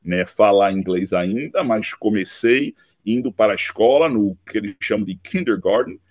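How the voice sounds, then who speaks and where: A law professor in his 50s from Recife, Brazil, tells his life story as an interview guest in a relaxed autobiographical conversation. His voice is on the low side and a little mellow, recorded cleanly in a studio with no echo. He speaks unhurriedly, often restarting and adding "né" tags.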